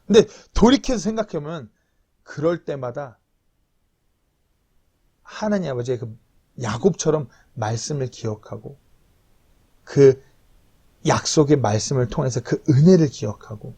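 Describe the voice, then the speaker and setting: A man's voice: medium pitch, expressive, measured pace, pauses often, mellow, slightly rough. A man in his thirties preaching an earnest, confessional sermon as a pastor, at times pleading.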